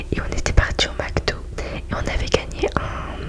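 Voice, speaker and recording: The speaker is a soft-spoken woman. She whispers. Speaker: ASMR creator. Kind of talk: soft-spoken ASMR chat. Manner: soft ASMR whisper while storytelling. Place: home room. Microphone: studio mic.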